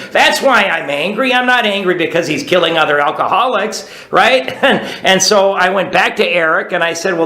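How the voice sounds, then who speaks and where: A man's voice: high voice, bright, forceful tone, echoey room, poor audio. A man talking casually about his recovery, rambling with many restarts and asking "right?" to check in with his listeners. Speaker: recovery speaker. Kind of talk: recovery talk.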